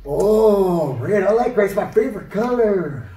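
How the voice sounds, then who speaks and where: A woman voicing an anxious, naive and excitable boy puppet in a children's show. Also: medium pitch, a little slow. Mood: excited. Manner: hesitant, exclaiming, naive. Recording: distant, noisy, echoey room.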